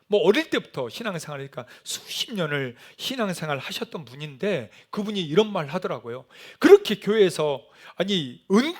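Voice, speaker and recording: In his sermon, a middle-aged pastor recounts a mission story with lively storytelling, his voice a little high. He performs the quotes in the story as shouted lines.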